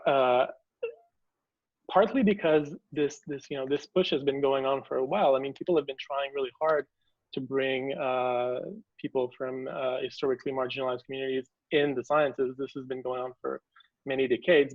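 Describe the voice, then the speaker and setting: A man answering as an interview guest, talking hesitantly and with care, often pausing and restarting. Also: medium pitch, no room sound, lo-fi sound. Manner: hesitant, many fillers and restarts, measured. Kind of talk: conversational interview.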